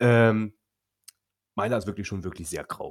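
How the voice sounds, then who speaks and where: Set against a silent background in a very clean recording, a man speaks at a fairly low pitch with fairly even intonation. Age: 30s. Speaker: podcast co-host. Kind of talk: casual chat. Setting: home kitchen.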